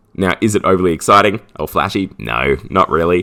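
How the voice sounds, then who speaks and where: A man speaks with a bright, sharp tone. Vocal fry runs through his voice. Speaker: wargaming content creator. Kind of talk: game rules discussion. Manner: hesitant, many fillers.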